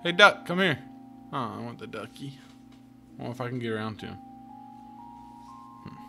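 A gaming video host provides casual let's play commentary over video game music, muttering wry asides to himself along the way. His medium-pitched voice is expressive, with vocal fry, at a normal speed.

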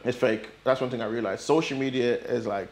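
A young man from Nigeria raised in Ireland, a guest talking in a casual sit-down interview, animated and rambling with plenty of fillers, on a lapel mic. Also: medium pitch, fairly quick. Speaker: guest, forex trader. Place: bright living room, indoors. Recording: echoey room.

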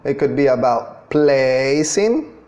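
A man in his thirties giving an online English grammar lesson in a deliberate, instructional manner, stressing key words. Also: mid-range voice, lively intonation, darkish tone, highs cut off. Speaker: English teacher. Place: small indoor room.

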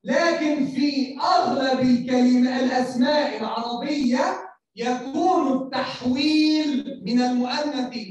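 A woman teaching Arabic to language learners. She lectures slowly and deliberately, spells out letters one by one and keeps checking that her students understand. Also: sits high, steady tone, darkish tone, muffled recording. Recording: very echoey room, voice far from the mic.

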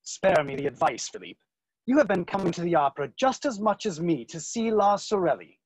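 An earnest young nobleman in love, acted by a man for a stage play. The voice is husky and very lively in pitch, romantic and defiant, recorded dry. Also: brisk, no room sound, low-quality recording. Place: room at home, video call.

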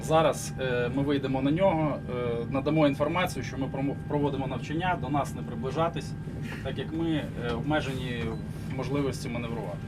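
A man from Ukraine, speaking as a ship's radio officer in measured, formal procedural phrases. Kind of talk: formal radio calls and explanations. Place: aboard a ship beside the radio. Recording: rumbling engine noise aboard vessel.

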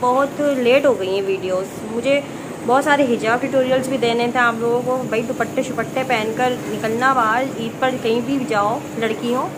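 A woman's voice: fairly high pitch, steady tone, moderate pace. A young woman vlogging at home in a chatty, playful way, talking to her pets and family. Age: young adult. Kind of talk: casual home vlog. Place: at home, indoors and on the rooftop. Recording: noisy home phone recording.

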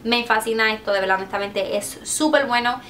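A woman's voice: a little high, a little fast, fairly bright tone, a little hiss or hum. A woman chatting casually and a little self-consciously as a beauty vlogger, mixing English words into her Spanish. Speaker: beauty video host. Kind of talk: casual chatty product review.

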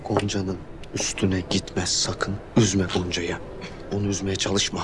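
An actor playing a stern, protective young man who speaks in a flat, guarded way. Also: deep voice, unhurried, slight background noise. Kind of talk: television drama acting. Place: hotel meeting hall.

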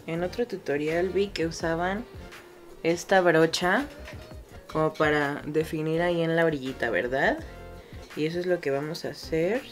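A woman's voice: low voice, normal speed, soft background music. A young woman with a Mexican accent chatting casually through a makeup tutorial, self-mocking and swearing freely. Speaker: beauty vlogger.

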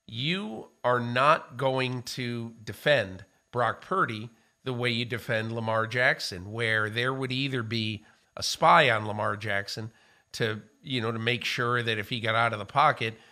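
A man in his sixties, a football analyst co-hosting a casual studio discussion, talking in an animated way, on a studio mic. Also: mid-range voice. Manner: animated, gestures with hands while talking. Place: small studio with framed pictures. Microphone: studio mic on boom arm.

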